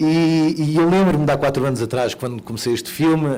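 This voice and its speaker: A man talks at a very fast pace. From Portugal. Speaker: documentary film director. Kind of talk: book presentation talk.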